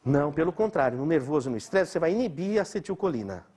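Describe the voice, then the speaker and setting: A man's voice: a little high, sing-song, fast, dark tone, slightly rough. A middle-aged man from Brazil giving a chatty, informal lecture, laughing often and asking his listeners rhetorical questions. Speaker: doctor lecturing.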